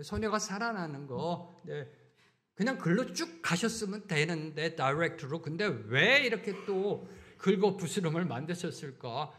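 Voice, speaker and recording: A middle-aged male pastor preaching a sermon in a church, full of rhetorical questions and repeated phrases, swinging between loud emphasis and quiet asides. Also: sits high. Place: church sanctuary.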